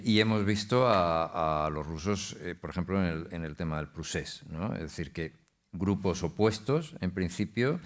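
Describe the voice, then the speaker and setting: Deep-voiced male panelist; measured, cautious, qualifies everything. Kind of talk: panel discussion.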